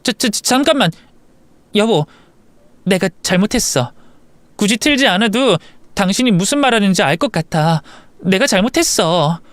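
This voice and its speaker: A man's voice: animated, normal speed, fairly bright tone, no room sound. A man voicing a flustered young wife who stammers and pleads, in a storybook narration. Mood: pleading. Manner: stammering, high-strung, pleading. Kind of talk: storybook voice acting.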